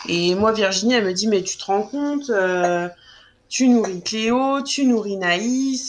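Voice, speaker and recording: This woman has a normal speaking voice, pitched fairly high. Her pitch moves with ordinary variation. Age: 30s. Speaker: breastfeeding mother sharing her story. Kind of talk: testimony.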